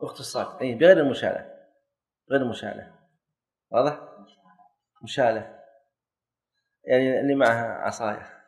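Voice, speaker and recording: A man's voice: mid-range voice, a little fast, long pauses. A man teaching a classroom lesson, quizzing and correcting students and joking lightly. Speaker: teacher of Islamic jurisprudence.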